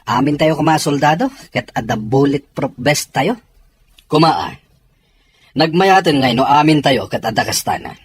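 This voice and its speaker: Husky Filipino soldier played by a man. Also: a little high, lively intonation, moderate pace. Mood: grave, urgent. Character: earnest Filipino soldier readying comrades for battle. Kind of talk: Ilocano audio drama acting.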